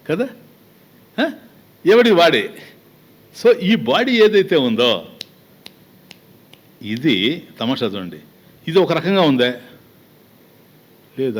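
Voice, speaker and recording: A man with a Telugu accent giving a spiritual discourse as a swami, talking conversationally with many rhetorical questions and acted-out little exchanges. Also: mid-range voice.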